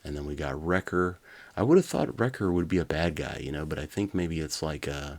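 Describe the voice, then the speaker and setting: Male storybook reader, low-pitched, narrating with casual commentary. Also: expressive, a little fast, darkish tone.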